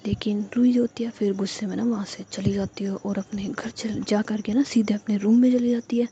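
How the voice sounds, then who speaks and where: A woman's voice: medium pitch, fairly even intonation, a little fast, dark tone, lo-fi sound. A young woman telling a romantic story in a casual, chatty way, full of fillers, voicing the characters' pleading lines herself.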